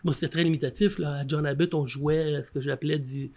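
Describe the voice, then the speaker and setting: A Québécois man tells old football coaching stories in a casual interview, his voice sitting a little high. He is animated, piling on fillers and restarts as he goes. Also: a little fast. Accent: Québécois French. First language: French.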